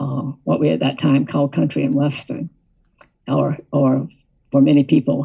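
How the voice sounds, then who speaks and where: A man speaks at a fairly high pitch in an American accent. His voice has vocal fry. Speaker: guest speaker. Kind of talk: casual chat. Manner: halting.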